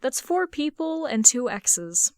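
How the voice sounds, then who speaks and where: A woman's voice: high voice, very animated, slow, darkish tone, no room sound, clean studio sound, pitched above the performer's own voice, heavily acted. Woman reading as wry, teasing young male friend. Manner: casual, sarcastic.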